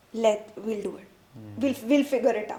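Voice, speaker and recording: Upbeat in tone, a woman talks at a high pitch with ordinary pitch variation. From Udaipur, Rajasthan, India. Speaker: radio jockey. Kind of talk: podcast interview answer, casual conversational talk. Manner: upbeat, expressive, mixing Hindi and English.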